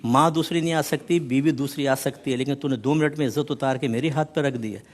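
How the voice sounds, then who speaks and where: A man's voice: mid-range voice, in a large hall, a little hiss or hum, close to an everyday voice. A man voicing a hurt elderly mother who rebukes her son in a reproachful, pleading way.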